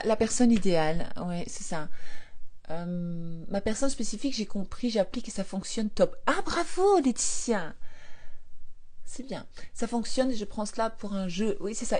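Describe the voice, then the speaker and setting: A woman coaching viewers on affirmations in a live stream. She talks in a chatty, lively way, repeats phrases, laughs often and reads viewer comments aloud. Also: medium pitch. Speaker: manifestation coach.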